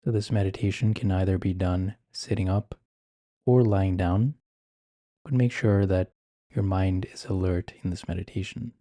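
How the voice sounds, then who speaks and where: Male meditation guide: deeply relaxed, mellow low voice, gentle ASMR-like instruction, dry intimate recording. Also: dry recording. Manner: gentle, measured, unhurried phrasing with soft instructions.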